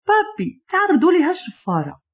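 A woman's voice: very high-pitched, wildly swooping pitch, fast, muffled recording, pitched above the performer's own voice, full character voice. A woman with a Moroccan accent voicing a jealous, spoiled young woman, whiny and sarcastic.

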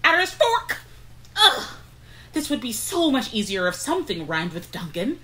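A woman's voice: a little high, very animated, moderate pace, bright, forceful tone, low-quality recording. An actress in a comedic audio drama playing an anxious, earnest witch, fretful and emphatic. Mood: frantic, insistent. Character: anxious, earnest witch fretting over a prophecy. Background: storm ambience.

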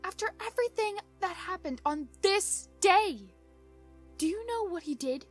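Woman acting a high-voiced, aggrieved mare wife. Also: lively intonation, unhurried, faint music behind. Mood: hurt, indignant. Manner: dramatic, confiding, aggrieved. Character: hurt, exasperated young mare pony wife. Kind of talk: first-person fan fiction monologue.

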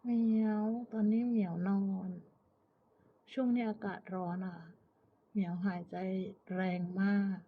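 Slow-talking woman, muffled phone-like sound. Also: mid-range voice. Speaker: pet owner vlogger. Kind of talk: casual chat to viewers while watching her pet cat.

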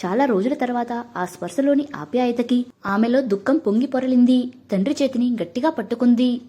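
A woman narrating a family drama in a steady, measured storybook reading. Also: fairly high pitch.

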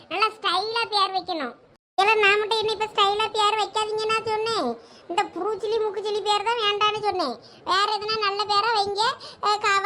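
A woman's voice: extremely high pitch, bright, forceful tone. A woman playing an opinionated village aunt, scolding and bantering in a comic sketch.

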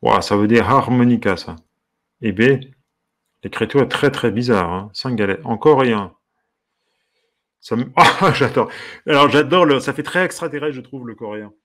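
A man who teaches harmonica talks his way through what he is browsing in a relaxed, casual commentary. He sounds curious and amused, musing aloud and breaking off with soft exclamations, his voice sitting at an ordinary middle pitch. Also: normal speed, pauses often.

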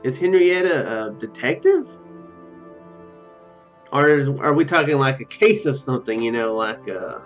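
A young man streams a text-based game from home, reading the story aloud and adding hesitant, rambling commentary. His medium-pitched voice comes through a slightly dull microphone, with faint music underneath. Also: sing-song, unhurried, pauses often. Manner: rambling, hesitant, with trailing asides. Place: indoor room at home.

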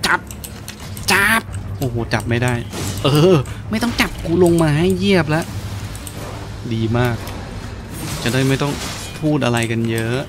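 Expressive and fairly high-pitched, this man comments on gameplay at an unhurried pace, often pausing. As a gaming host he's playful, crude and slangy, exclaiming frequently over game music and background noise.

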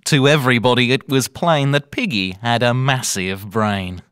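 A man's voice: medium pitch, moderate pace, fairly bright tone, smooth, no room sound, studio quality, lightly acted. A man playing a playful, carefully paced narrator of a children's storybook.

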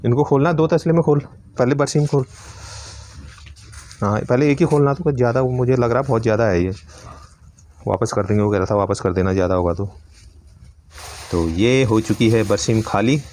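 A man's voice: medium pitch, moderate pace, long pauses, darkish tone, a little hiss or hum. Playful middle-aged man vlogging village life. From Uttarakhand, India. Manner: teasing, playful chatter with family, animals and children. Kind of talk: casual vlog chat, narrating daily life and talking to those around. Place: village home, mostly outdoors in yard and fields. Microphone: phone at arm's length.

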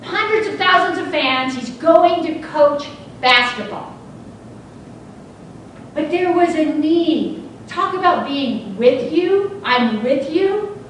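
A woman's voice: high voice, animated, slow, a bit bright, slight background noise. Echoey woman presenter heard from afar. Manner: engaging, asks the audience questions. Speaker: workshop facilitator. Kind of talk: teacher training presentation. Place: large training room with seated audience. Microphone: room recording from the back. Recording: very echoey room from far off.

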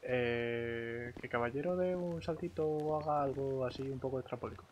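A man's voice: mid-range voice, moderate pace, background noise. A man chatting casually with other players as he role-plays in an online game. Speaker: gamer role-playing in an online survival game.

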